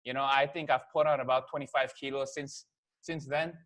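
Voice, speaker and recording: A man's voice: medium pitch, steady tone, brisk, a bit bright. A man in his thirties from Korea, whose first language is Korean, giving a casual, chatty business presentation to camera, full of fillers and "okay?" check-ins.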